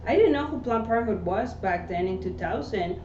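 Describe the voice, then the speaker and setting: A woman's voice: mid-range voice, animated, normal speed, dark tone. A woman from Mexico City, earnestly telling her story as an interview guest and tagging sentences with "right?". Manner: earnest, often adds "right?" tags. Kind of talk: personal testimony in conversation. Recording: echoey room, dull sound, faint hiss.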